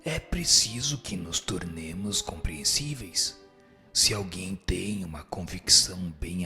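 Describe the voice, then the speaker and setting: Radio drama: male actor as wise Brazilian spirit, solemn and didactic, very measured pace, low register. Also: bright, forceful tone, heavily acted. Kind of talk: scripted radio drama reading of spiritist teaching.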